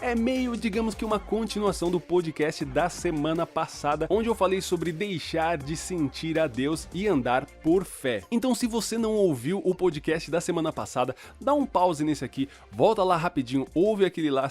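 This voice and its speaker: A man's voice: on the high side, darkish tone. A young man from Chile with no accent, hosting a casual Christian podcast in a chatty, informal way. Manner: chatty, informal, fillers like "cara". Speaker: podcast host.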